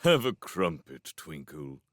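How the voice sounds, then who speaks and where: A man's voice: very deep voice, big pitch swings, takes it slowly, fairly bright tone, no room sound, studio quality, pitched below the performer's own voice, exaggerated voice. A man voicing a genial, hearty king who is kindly to children in an audiobook. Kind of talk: audiobook character voice.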